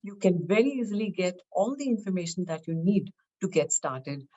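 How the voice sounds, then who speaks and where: Low-pitched woman presenting technical material. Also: expressive, normal speed, warm tone, muffled recording. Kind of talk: scripted product presentation.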